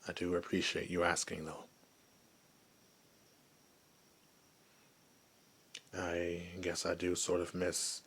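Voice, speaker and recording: A man playing a gentle, lonely werewolf who was once human, in a soft, hesitant, confiding ASMR roleplay voice. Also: low-pitched, gravelly, breathy edge, exaggerated voice. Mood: wistful, grateful. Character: gentle, lonely male werewolf, former human, wistful outcast.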